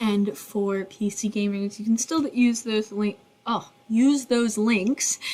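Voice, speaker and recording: This woman's fairly high voice keeps a fairly even intonation and moves very slowly. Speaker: gaming youtuber. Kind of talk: voice-over commentary on a speed build. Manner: halting, many fillers and restarts; casual, chatty.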